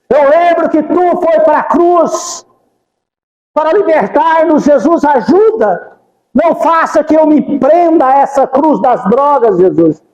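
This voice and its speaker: A man's voice: very high-pitched, a little mellow, roomy sound, big-room sound, dull audio. A man giving a devotional talk at a spiritist center, speaking fervent, pleading prayers and repeating the name of Jesus. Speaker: spiritist lecturer.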